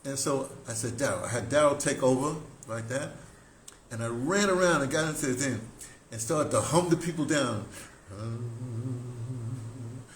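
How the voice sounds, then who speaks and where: An older American man telling stories casually as a talk host, in an excitable, rambling way with broken, repeated phrases. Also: medium pitch, unhurried. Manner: excitable, animated storyteller with broken, repetitive phrasing. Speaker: radio drama producer and talk host. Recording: roomy echo, clear background noise.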